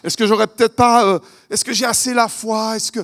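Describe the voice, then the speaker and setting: A man with a Vaud Swiss French accent preaching a sermon at a church conference, earnest and questioning, swinging between loud emphasis and hushed lines. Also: high voice, fairly even intonation, fairly quick. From Vaud, Switzerland.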